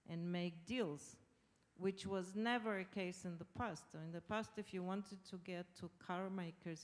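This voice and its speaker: A woman's voice: on the low side, a little mellow. A middle-aged woman from Israel, a native Hebrew speaker with an Israeli accent, explaining her points as a panelist. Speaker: panelist, government official. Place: large conference hall. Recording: long hall reverb.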